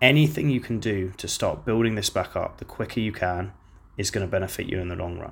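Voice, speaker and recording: At a very fast pace, a man with a fairly low, somewhat breathy voice and ordinary pitch variation comes through on a very clean recording with a silent background. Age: 30s. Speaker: dating coach. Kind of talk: casual monologue. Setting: outdoors on a balcony.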